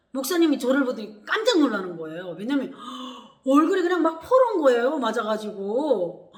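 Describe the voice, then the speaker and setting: Woman telling her story vividly. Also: fairly high pitch. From North Korea. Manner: animated, acts out quoted voices with gasps and laughs. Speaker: vlogger. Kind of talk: personal storytelling. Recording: echoey room.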